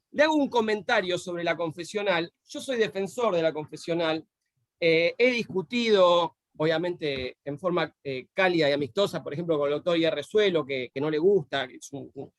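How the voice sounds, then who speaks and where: Man hosting, high pitched, dry close sound, polite talker. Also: no echo. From Argentina. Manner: courteous, chatty, reads off names. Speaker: interview host. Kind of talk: live online interview.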